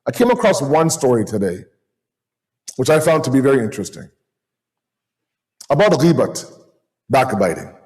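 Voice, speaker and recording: A man's voice: mid-range voice, big pitch swings, moderate pace, long pauses, darkish tone. A man delivering a sermon as a Muslim cleric, conversational and storytelling, mixing in Urdu and Arabic terms. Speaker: Muslim cleric giving a religious lecture.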